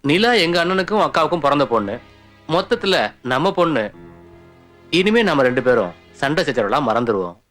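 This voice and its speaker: A man's voice: a little high, very animated, fairly quick, fairly bright tone, faint music behind. An actor playing a scheming male uncle who bullies and insists. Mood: pleading. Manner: insistent, bullying.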